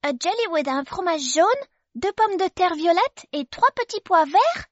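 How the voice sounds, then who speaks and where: A woman voicing a bossy, demanding talking baby girl in a storybook, squeaky and imperious. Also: animated, normal speed, a bit bright, no echo, dull audio. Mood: fussy.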